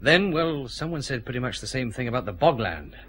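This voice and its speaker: A sharp detective, plain talking, voice moves up and down a lot. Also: male voice, medium pitch, big pitch swings, brisk, faint music behind. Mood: explaining. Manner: plain-spoken, respectful to superiors. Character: shrewd male detective chief inspector. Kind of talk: radio drama acting.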